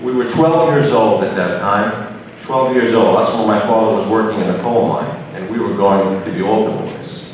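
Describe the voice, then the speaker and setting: Middle-aged New man, measured and earnest speaker at a podium, far from the mic in a reverberant hall, audible background noise. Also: lowish voice. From United States. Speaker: physician giving a speech. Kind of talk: prepared speech. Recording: echoey hall from far off, noisy.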